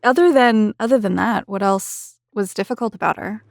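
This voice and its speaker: A woman's voice: mid-range voice, moderate pace, vocal fry, no room sound. A woman hosting an interview, putting questions and comments in a conversational way.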